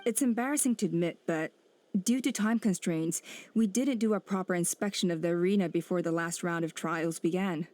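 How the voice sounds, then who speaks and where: A woman voicing a composed tribal elder who speaks in a measured, formal way. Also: lowish voice, a little mellow, close to an everyday voice. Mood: explaining.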